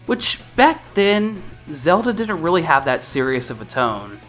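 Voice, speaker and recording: Man with lively, swinging delivery over music. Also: a little high, measured pace. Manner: informal, mildly sweary. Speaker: game review host. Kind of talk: casual video commentary.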